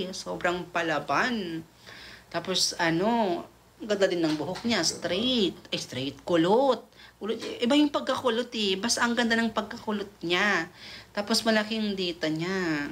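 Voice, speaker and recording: A twenty-one-year-old gay man hosts a livestream, rambling through a story to his viewers with plenty of fillers and restarts. His voice is high and fairly bright, his manner camp, and he calls his viewers "bakla."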